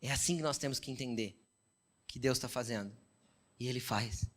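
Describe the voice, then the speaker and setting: A middle-aged Brazilian pastor preaching a sermon, telling personal stories and often checking that listeners follow. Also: male voice, medium pitch, normal speed, fairly bright tone. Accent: Brazilian Portuguese. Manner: conversational preaching with frequent "entendeu?" check-ins; storytelling, quoting God and his wife in dialogue.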